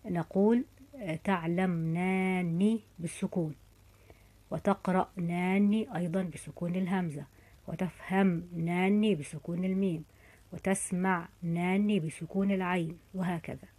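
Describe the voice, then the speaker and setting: A woman teaching an Arabic grammar lesson, explaining step by step and saying example words slowly and carefully, with frequent hesitations. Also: lowish voice, fairly even intonation, dark tone. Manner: methodical, says example verb forms slowly and carefully.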